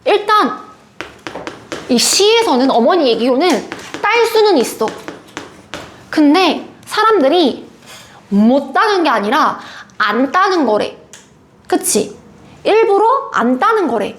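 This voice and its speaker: A young woman teaching a class, explaining a text in a lively way and acting out the lines it quotes. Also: sits high, takes it slowly, long pauses, a little hiss or hum. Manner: animated, acts out quoted lines. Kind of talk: classroom lecture.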